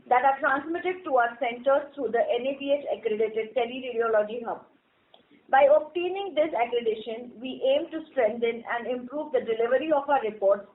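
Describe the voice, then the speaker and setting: A woman with an Indian accent formally reading a scripted corporate presentation as a company executive, in a measured way, over a conference call. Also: a little high. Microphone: telephone conference call. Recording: tinny narrowband conference phone line.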